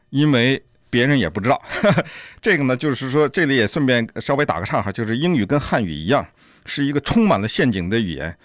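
A male radio co-host talks quickly, with a lively, wide-ranging pitch. He explains things through example after example and sounds relaxed and chatty. The studio sound is close and dry. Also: no echo. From China. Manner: explains with many examples, chuckles at language traps. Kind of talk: casual radio discussion.

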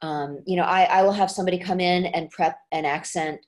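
A woman's voice: lowish voice, steady tone, brisk. A woman dialect coach and actress, talking casually in an interview with many restarts and fillers.

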